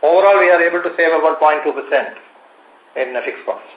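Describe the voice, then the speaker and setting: A man with an Indian accent speaking as a company executive on an earnings call, in halting, hesitant phrases with repeated words. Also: fairly high pitch, phone-quality sound, a little hiss or hum. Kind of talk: earnings call remarks and answers to analysts. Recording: roomy, echoing conference call line.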